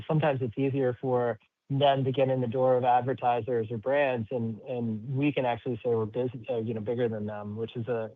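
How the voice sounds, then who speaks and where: A man speaking as a company executive answering questions on an earnings call, halting, rambling and upbeat. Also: medium pitch, no room sound. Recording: slightly muffled, dry call audio.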